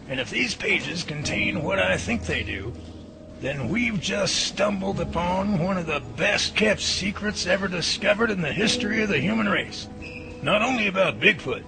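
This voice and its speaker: A man's voice: sits high, creaky. A man acting a folksy, earnest Bigfoot researcher in a radio drama, full of old-fashioned exclamations and homespun idioms. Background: music.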